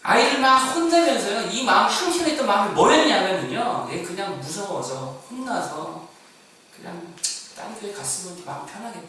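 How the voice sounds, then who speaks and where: A man delivers a sermon as pastor in a bright, high voice with wide swings of pitch. He shifts from soft, confessional murmurs to loud, repeated emphasis. The mic sits at a distance in a strongly reverberant church hall with faint noise behind him.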